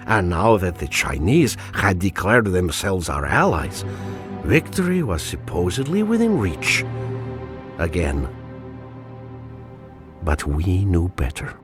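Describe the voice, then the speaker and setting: An actor narrating as a Soviet soldier, slow and bitter in his reflections. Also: deep voice, exaggerated voice. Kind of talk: scripted narration. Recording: game cutscene with loud music behind.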